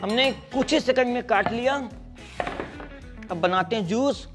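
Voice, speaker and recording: A man's voice: very high voice, measured pace, over music. Chatty young man reviewing a juicer. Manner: chatty, lively demonstrating while juicing. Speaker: product reviewer. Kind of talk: casual product review vlog. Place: small indoor studio set with striped backdrop.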